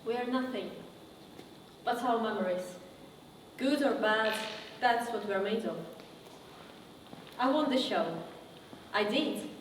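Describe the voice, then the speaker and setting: A woman acting a theatrical monologue as a haunted woman looking back on her past, with deliberate, halting delivery. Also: on the high side. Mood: animated, thoughtful. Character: woman recounting childhood memories, wry then wounded and haunted. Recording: echoey reverberant room, distant mic, faint noise.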